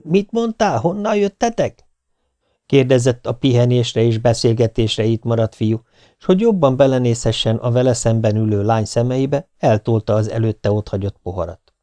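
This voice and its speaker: A man from Hungary narrating a short story audiobook in a steady, measured way. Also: mid-range voice, no room sound. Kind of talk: scripted narration.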